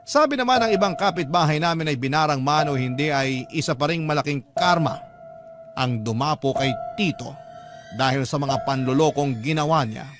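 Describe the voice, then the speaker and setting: A man's voice: on the high side, normal speed. Earnest young man narrating a letter. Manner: earnest, confessional. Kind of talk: scripted radio drama narration. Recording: loud music bed under narration.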